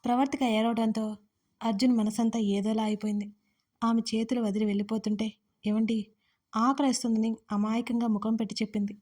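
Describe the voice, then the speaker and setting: Female audiobook storyteller, gentle even reading, warm mellow timbre, slightly high. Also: brisk. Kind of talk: audiobook narration.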